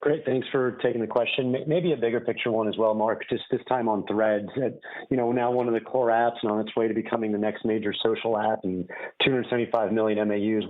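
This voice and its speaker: A male financial analyst putting questions to executives on an earnings call over a phone line. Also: fairly low pitch. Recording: thin, band-limited phone line.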